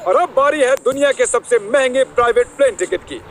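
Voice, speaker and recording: A man dubbing a vlog host, narrating in an excited showman way. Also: very high voice, a little fast, slight background noise. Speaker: host dubbed into Hindi. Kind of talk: energetic vlog narration dub.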